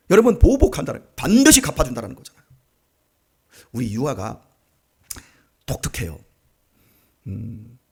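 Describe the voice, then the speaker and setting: Husky, animated preaching man. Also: a little high. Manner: animated, acts out family dialogue. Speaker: pastor. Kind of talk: early morning sermon.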